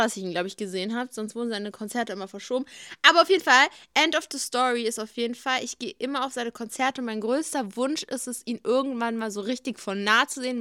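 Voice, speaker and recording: A woman co-hosting a casual podcast, telling stories in an animated way and often laughing, on a close mic. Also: a little high, clear, resonant tone, no room sound. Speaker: podcast co-host. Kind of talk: casual chat.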